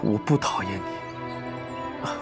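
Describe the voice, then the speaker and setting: A man's voice: slow, close to an everyday voice. An actor playing a proud, wounded young man in a period TV drama, refusing coldly and firmly. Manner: cold and firm, groaning in pain. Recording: distant voice under loud music.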